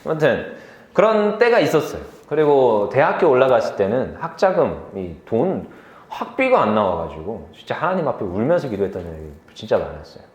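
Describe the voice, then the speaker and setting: A young man preaching a sermon to a youth group, telling stories from his life in a lively way, laughing easily and asking the listeners questions. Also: mid-range voice, roomy sound. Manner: lively storytelling, quick to laugh; asks the listeners questions directly.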